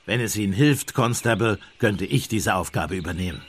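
Man acting a polite village priest, kindly, gently wry, animated pitch, long reverb, radio play. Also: moderate pace, natural voice. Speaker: actor in audio drama. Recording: long reverb, some music behind.

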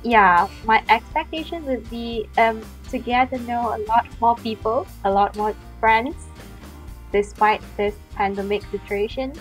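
A woman's voice: a little high, a little slow, soft background music. A woman in her twenties, a student being interviewed casually on a video call.

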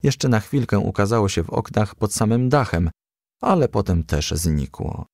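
Lively male storyteller reading a children's tale. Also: lowish voice, moderate pace, no echo, clean studio sound. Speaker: narrator. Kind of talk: scripted storybook narration.

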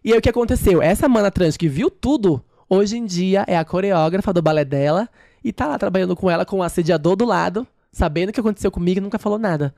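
A trans woman, a dancer appearing as a podcast guest, tells a story in a casual interview, retelling it fast and animatedly while acting out what others said. Her medium-pitched voice has vocal fry, captured studio-quality in the podcast studio with no room sound.

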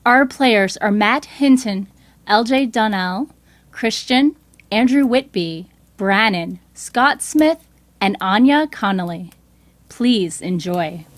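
A woman host reading scripted storybook narration in a clear storytelling delivery. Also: mid-range voice, animated, takes it slowly, dry recording.

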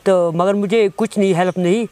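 High-voiced Kashmiri man, halting and earnest. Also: fairly even intonation, mellow, slight background noise. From Kashmir, India. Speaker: interviewee, mobile phone mechanic. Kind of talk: earnest interview answers. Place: outdoors on a lawn beside a wooden house.

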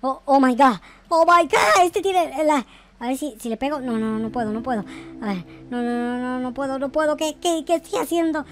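A man playing a naive, panicky noob game character in excited, repetitive roleplay commentary. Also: very high voice, moderate pace. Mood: panicked. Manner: frantic, repetitive, exclamatory. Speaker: gaming video creator. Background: faint music.

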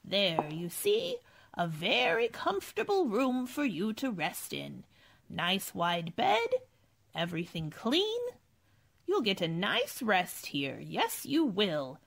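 A woman's voice: mid-range voice, wildly swooping pitch, slow, gravelly, a bit bright, full character voice. A woman playing an evasive, insistent old aunt in a radio horror drama. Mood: soothing, evasive. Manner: insistent, repeating phrases. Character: eerie, evasive old aunt, coaxing and snappish. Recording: music behind the voice.

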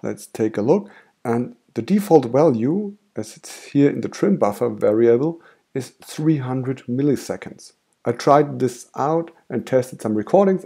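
A man with a German accent, a native German speaker, calmly explaining software steps in a screen-recorded tutorial. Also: mid-range voice, breathy edge. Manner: calm step-by-step explaining. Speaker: tutorial host.

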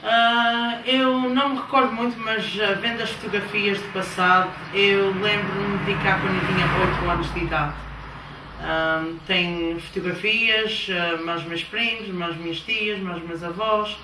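A woman in her thirties from Canada, answering interview questions with eager, halting replies in a living room. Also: mid-range voice, steady tone, sharp tone. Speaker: interview guest. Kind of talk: casual TV interview. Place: living room of a house, indoors. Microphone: handheld microphone held by interviewer. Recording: roomy, distant, faint background noise.

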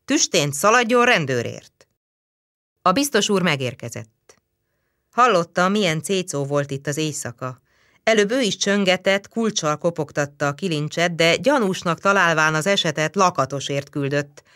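Woman narrating an audiobook, bright and dry. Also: sits low, no room sound. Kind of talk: scripted literary narration.

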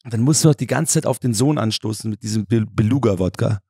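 A man's voice: on the low side, breathy edge, dry recording, clean studio sound. A man from Germany with a Bavarian accent, chatting as a podcast guest and telling stories with lots of laughter and restarts. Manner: fast, animated storytelling, laughs often, many restarts. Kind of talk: casual chat.

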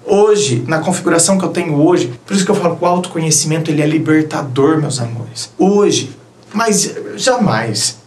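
A Brazilian man with a high-pitched voice talks straight to his viewers about relationships. He is blunt and teasing. His voice rings with the echo of a roomy space. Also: expressive, moderate pace. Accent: Brazilian Portuguese. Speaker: relationship advice youtuber. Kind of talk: casual advice monologue.

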